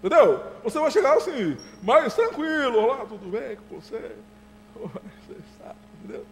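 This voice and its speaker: A man's voice: very high voice, wildly swooping pitch, moderate pace, fairly bright tone, full character voice. A man playing a fussy, overbearing father who chuckles, repeats himself and lectures his son in an amateur stage play. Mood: lecturing. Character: fussy, overbearing middle-aged father giving advice. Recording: reverberant hall.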